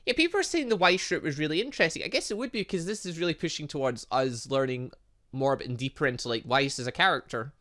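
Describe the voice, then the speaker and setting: A male gaming host with a bright, forceful voice. His pitch moves around a lot as he reads game text aloud and drops in chatty comments. He occasionally stumbles on a word and carries on. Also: lively intonation, fast. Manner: stumbles over long words, chatty asides. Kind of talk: let's play, reading game dialogue aloud with commentary.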